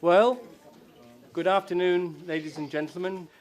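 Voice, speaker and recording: A man acting as question master, announcing a competition to an audience in a formal, measured way, slowing down on key phrases. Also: high voice, steady tone.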